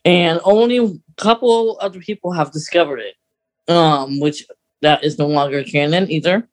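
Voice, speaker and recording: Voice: medium pitch, normal speed. A podcast co-host in a casual, conversational fan discussion.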